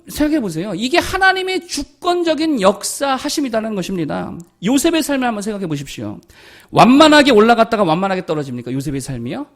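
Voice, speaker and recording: A man's voice: very high voice, a bit bright. A man preaching a Sunday sermon as pastor, emphatic and direct, often asking his congregation rhetorical questions.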